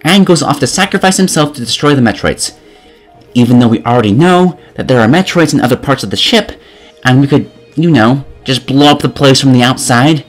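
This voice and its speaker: A man's voice: mid-range voice, fairly quick. A man reading scripted video game review commentary in a sarcastic, exasperated manner. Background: music.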